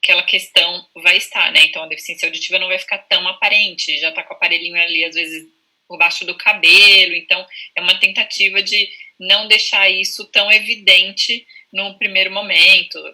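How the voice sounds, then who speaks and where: A woman speech therapist with a Brazilian Portuguese accent, calmly explaining things in a video call, often ending phrases with a questioning tag. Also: fairly low pitch, brisk, low-quality recording. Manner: calm, explanatory, frequent "né?" tags. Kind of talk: conversational explanation in a live video chat.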